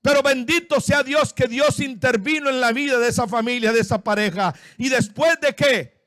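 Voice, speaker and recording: High-voiced impassioned male preacher. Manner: impassioned preaching, often shouting, dropping to hushed pleas. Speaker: pastor. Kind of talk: sermon.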